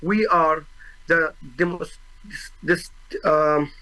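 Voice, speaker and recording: Young man, arabic accent, non-native english, slightly high voice, very slow halting delivery, solemn formal testimony. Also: sharp tone, rough recording. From Gaza, Palestine. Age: 20s. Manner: halting, searching for words, with frequent restarts and fillers; solemn and earnest. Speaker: witness testifying at a tribunal.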